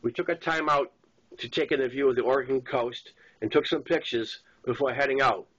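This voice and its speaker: Male narrator, Boston accent, medium pitch, author reading a novel, plain delivery, slightly muffled lo-fi recording. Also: brisk, a bit bright, husky. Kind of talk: audiobook-style narration of a first-person novel. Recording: dull lo-fi sound.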